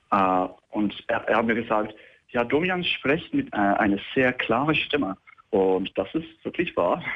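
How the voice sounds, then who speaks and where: With an English accent, the speaker uses lively intonation at a very even loudness. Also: man, medium pitch for a man, fairly slow pace. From England. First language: English (speaking German). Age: 20s. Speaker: caller, university student. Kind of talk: call-in radio conversation. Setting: phone call. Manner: halting, many fillers.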